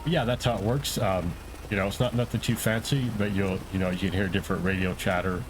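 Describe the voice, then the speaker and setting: A man giving a casual, conversational gaming tutorial in an unhurried, slightly hesitant way. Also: sits low, fairly even intonation, noisy background. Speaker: streamer and tutorial host, playing a police officer. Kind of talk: casual tutorial and game roleplay commentary.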